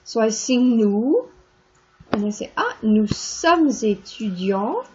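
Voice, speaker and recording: A woman's voice: a little high, very animated, takes it slowly, lo-fi sound, slight background noise. A woman teaching an online French lesson, patiently explaining textbook exercises and repeating examples. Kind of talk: recorded lecture walking through textbook exercises.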